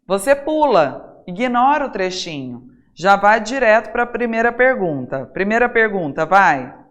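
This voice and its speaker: Lively Brazilian woman teaching an exam-prep class. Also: medium pitch. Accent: Brazilian Portuguese. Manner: lively, talks straight to students, rhetorical questions; stresses single words by saying them slowly and loudly. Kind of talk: recorded classroom lesson.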